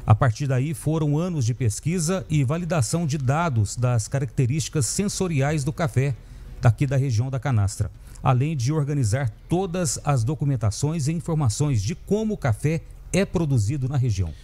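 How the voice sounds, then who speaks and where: A man in his thirties presenting radio news in a studio, reading in a steady, measured way. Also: mid-range voice. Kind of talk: read news report. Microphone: studio mic on a boom.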